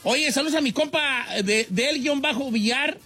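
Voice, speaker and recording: A man doing an old Mexican host, Mexican accent, high-pitched, bright, teasing, laughing, comedy talk show. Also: moderate pace, soft background music. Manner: joking, laughs often, teasing. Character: folksy older Mexican man, joking ranch-style host. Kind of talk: comedy talk show reading listener comments.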